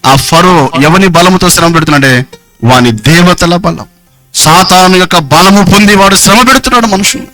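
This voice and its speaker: A man's voice: sits high, fairly quick, sharp tone, faint music behind. A man preaching a Sunday sermon in an emphatic, repetitive way, often putting questions to the congregation.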